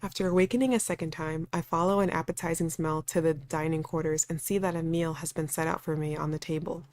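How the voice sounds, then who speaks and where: A woman's voice: sits low, steady tone, fast talker, a little mellow, dry recording, lightly acted. A woman reading a visual novel's wary young protagonist, narrating in a dry, introspective way. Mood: uneasy, pondering. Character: stubborn, wry, wary young protagonist narrating their ordeal.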